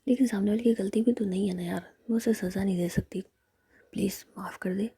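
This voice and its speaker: A gentle young woman friend whispered by a female storyteller pleads softly in a low hush. The voice is husky and dark, dry and close. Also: steady tone, a little fast, no echo. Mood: pleading.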